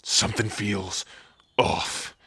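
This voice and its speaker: A gruff orc warrior, acted by a man, fiercely protective of his spouse. His voice is low and very husky, and he takes his time in a brooding ASMR roleplay delivery. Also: fairly even intonation, slow pace, pushed and bright, no room sound, heavily acted. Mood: wary, protective. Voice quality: raspy, husky.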